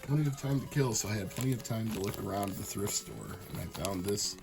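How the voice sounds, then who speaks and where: A man with a raspy, hoarse voice from a cold, chatting casually and with enthusiasm as he shows off his thrift store finds for a video. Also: fairly low pitch, brisk, noisy background. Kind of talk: casual show-and-tell chat.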